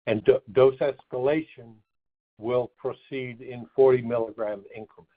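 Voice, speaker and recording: A man giving measured, halting technical answers as a chief medical officer on a muffled phone conference call. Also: mid-range voice, steady tone. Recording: muffled narrow phone line.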